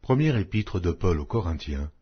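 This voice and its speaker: A man reading scripture as a solemn scripted narration, measured and declamatory, with emphatic phrasing. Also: sits low, very animated, slightly rough, dull audio. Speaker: narrator of an audio Bible.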